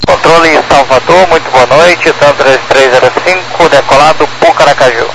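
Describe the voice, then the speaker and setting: A man's voice: on the high side, normal speed. A man with a Brazilian accent talking on air traffic control radio in terse, procedural call signs and readbacks. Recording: very noisy aviation radio transmission.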